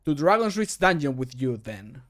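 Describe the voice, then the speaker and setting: Casting: a man playing an authoritative game guard, medium pitch, stern and measured, used to giving orders. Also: very animated, natural voice. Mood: commanding. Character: stern, authoritative fantasy city guard making an arrest.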